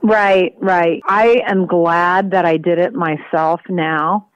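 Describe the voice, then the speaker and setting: A woman from Southern Illinois, a guest author, telling stories in a relaxed, casual way with frequent laughter. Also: lowish voice, takes it slowly, smooth, dry recording, lo-fi sound. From Southern Illinois, USA. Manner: laughs often, relaxed storytelling. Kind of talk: casual interview.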